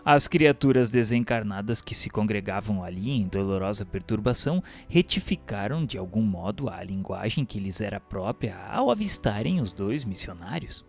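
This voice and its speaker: A man narrating a radio serial in scripted literary first person, with formal, measured delivery. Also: fairly low pitch, vocal fry. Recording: music bed behind the voice.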